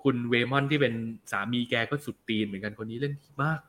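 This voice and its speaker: A young adult man hosts a laid-back film review chat, his voice bright and forceful. He talks in a loose, slangy way and reads out viewer questions before answering them. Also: medium pitch, quick pace. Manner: relaxed, chatty, slangy, reads out viewer comments. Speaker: film review show host.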